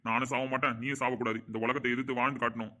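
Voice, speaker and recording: A man's voice: medium pitch, level tone, racing, bright, forceful tone, lightly acted. A man playing a fierce protective father. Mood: subdued. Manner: indignant, emphatic scolding. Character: middle-aged father fiercely defending his daughter. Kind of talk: amateur family drama acting.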